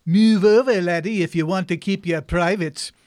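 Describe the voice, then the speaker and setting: A man's voice: sits high, moderate pace, a little mellow, no room sound, clean studio sound, close to an everyday voice. A man playing a cheerful radio station volunteer in a comedy sketch, earnest and a bit pompous about his ideas. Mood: amused.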